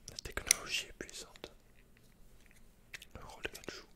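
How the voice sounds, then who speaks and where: A young man with a French accent, whispering hesitantly and softly in a breathy ASMR roleplay as an awkward, introverted computer shop keeper. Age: young adult. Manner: hesitant, halting, soft-spoken. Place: indoors, dark backdrop. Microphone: close microphone.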